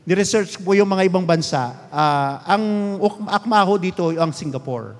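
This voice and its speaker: A middle-aged Filipino man preaching a lively sermon as pastor, often asking the congregation to respond. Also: high voice, normal speed, in a large hall. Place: church hall.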